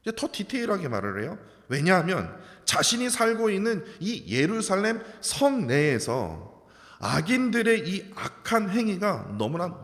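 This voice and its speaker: A male pastor giving an early-morning sermon, preaching with rhetorical questions and sudden drops to a hushed whisper. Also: high-pitched. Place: church sanctuary. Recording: long hall reverb.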